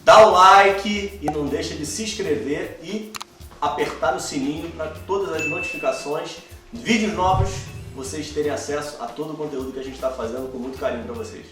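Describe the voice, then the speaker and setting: A man's voice: fairly high pitch, fairly quick, echoey room, over music. A Brazilian man who hosts an interview podcast as a doctor, chatty and enthusiastic, full of fillers. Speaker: host, ophthalmologist.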